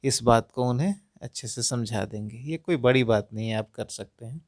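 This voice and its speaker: A man teaching parents how to help children read, speaking deliberately, sounding out words syllable by syllable and repeatedly addressing them as dear parents. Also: mid-range voice, background noise. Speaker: English reading tutor for parents. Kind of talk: instructional talk to parents.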